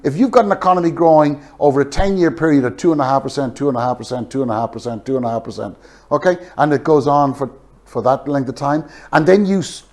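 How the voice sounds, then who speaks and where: A man's voice: on the high side, a little mellow. A man delivering an opinionated news commentary monologue, emphatic and scornful, punctuating it with rhetorical questions. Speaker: political commentator.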